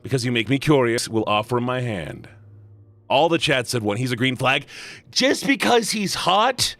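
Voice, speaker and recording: Animated, joking male streamer. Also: mid-range voice, moderate pace, dry recording. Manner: animated, dramatic, joking with chat. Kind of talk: casual live-stream chat while playing.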